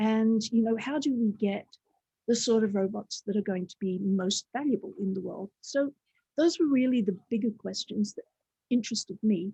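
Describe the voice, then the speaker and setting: In a dry, close sound with no echo, a woman with an Australian accent speaks at a moderate pace with a fairly high pitch and ordinary pitch variation. Her tone is dark, mellow and somewhat breathy, with big swings in loudness. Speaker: robotics industry organization director. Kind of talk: meetup presentation. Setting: hybrid online meetup.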